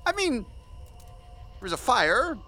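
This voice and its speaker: A woman's voice: on the high side, sing-song, takes it slowly, sharp tone, soft background music, heavily acted. A woman playing an exasperated, objecting young woman. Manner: flustered, objecting.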